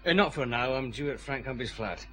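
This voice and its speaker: An actor playing a dry, probing detective chief inspector in a radio drama. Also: male voice, medium pitch, fairly quick, sharp tone, slight background noise, close to an everyday voice.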